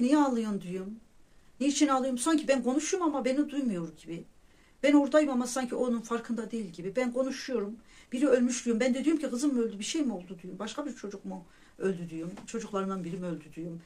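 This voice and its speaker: A woman's voice: medium pitch, a little mellow. Earnest woman vlogger telling her dreams. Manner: earnest, often addresses listeners as friends; reflective storytelling with pious phrases. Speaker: vlogger sharing dreams and religious reflections. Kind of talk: casual personal monologue to viewers.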